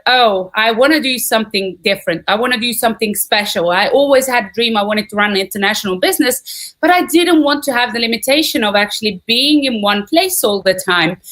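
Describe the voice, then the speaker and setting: Estonian woman in her thirties, high voice, chatty live webinar host who greets viewers by name and country. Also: a bit bright. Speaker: presenter of an online business webinar. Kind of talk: upbeat live webinar presentation.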